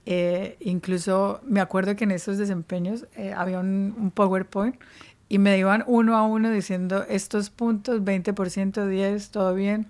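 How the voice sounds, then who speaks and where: Flat-toned woman giving career advice. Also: medium pitch, moderate pace. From Spain. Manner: explanatory, evenly paced answers. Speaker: podcast guest, career advisor. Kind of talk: interview podcast.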